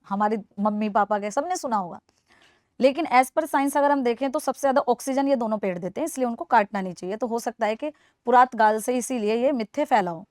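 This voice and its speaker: A young woman from Delhi speaks earnestly as a podcast guest, pressing her points and coming back to them again and again. Her voice sits fairly high, and the recording is close and dry. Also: darkish tone, no room sound. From Delhi, India. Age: 20s. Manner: earnest, persuasive, repeats points for emphasis. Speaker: interview guest. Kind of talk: earnest podcast interview answers.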